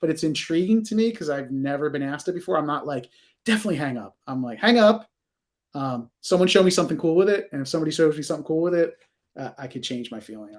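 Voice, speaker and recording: Very fast speech with a Philadelphia accent, big swings in loudness, on a very clean recording against a silent background. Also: man. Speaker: tech company CEO. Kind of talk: interview podcast.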